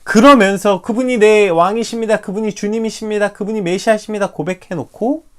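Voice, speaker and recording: A preacher giving a livestreamed morning devotional sermon, animated, asking the listeners questions and acting out quoted prayers. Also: mid-range voice, a little fast.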